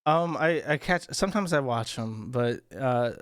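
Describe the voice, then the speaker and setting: A man's voice: medium pitch, lively intonation, a little slow, smooth, dry recording, studio quality. A man in casual conversation, telling a long, profane, rambling story. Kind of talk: casual chat.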